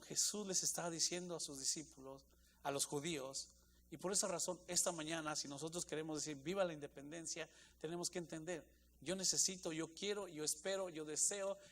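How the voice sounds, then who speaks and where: A pastor preaching with repetition and fervor. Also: male voice, a little high, a bit bright, slight background noise. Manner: preaching with rising intensity, repeats phrases for emphasis. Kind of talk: sermon.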